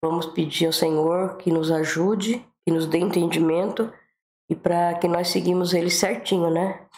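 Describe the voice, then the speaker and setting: A woman's voice: fairly low pitch, steady tone, normal speed, darkish tone, echoey room. A Brazilian woman with a flu-congested, swollen-throat voice, giving a devotional talk and Bible reading.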